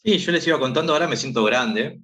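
A man in his thirties from Argentina, with an Argentine accent, talking casually as a guest and filling his pauses with "este". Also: medium pitch, a bit bright, lo-fi sound. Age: 30s. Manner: rambling, lots of filler "este". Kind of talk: casual chat.

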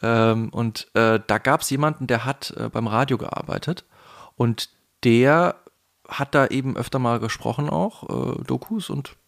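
A man from the Palatinate region of Germany with a faint Palatinate German accent, a voice actor speaking thoughtfully in a relaxed interview, pausing often with fillers. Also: medium pitch, vocal fry. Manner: thoughtful, hesitant, many fillers. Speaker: guest, voice actor. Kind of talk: casual conversational interview.

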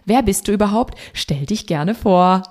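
A woman hosting a podcast interview from a studio, asking questions in a lively, curious, conversational way. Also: medium pitch, normal speed. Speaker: podcast host. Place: recording studio.

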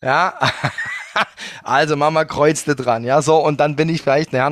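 A man hosting a casual conversation, chatty and often tagging his sentences with a quick affirming word. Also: mid-range voice, no room sound, clean studio sound. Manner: chatty, frequent "ja" fillers.

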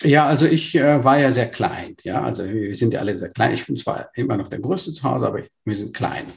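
A man's voice: medium pitch, expressive, a little fast, vocal fry. A man in his fifties, born in Burma, telling his life story as an interview guest, hesitant with many fillers and restarts. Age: 50s.

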